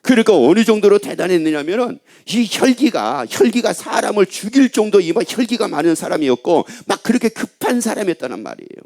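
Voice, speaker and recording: A middle-aged man preaching a sermon as pastor, telling a story with lively asides and questions to the congregation. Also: high-pitched, fairly quick, gravelly, few pauses.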